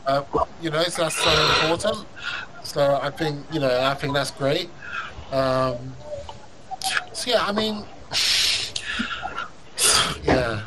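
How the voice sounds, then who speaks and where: Male host, higher voice, rambling; noisy recording. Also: slow pace, pauses often. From London. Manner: rambling, many restarts and "you know"s. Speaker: podcast host. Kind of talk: casual interview. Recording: loud background noise.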